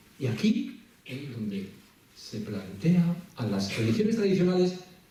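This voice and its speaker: With audible room echo, a man speaks at a fairly high pitch, his pitch swinging very widely. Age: 60s. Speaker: theologian lecturer. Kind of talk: lecture. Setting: library lecture hall with audience. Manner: hesitant with many fillers.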